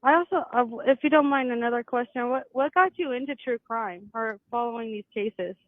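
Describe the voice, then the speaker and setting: A hesitant caller stammers through questions to a talk show host. The voice comes over a tinny phone line and sounds dry and close. The pitch sits in the middle range. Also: fairly quick, no echo. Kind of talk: phone call-in.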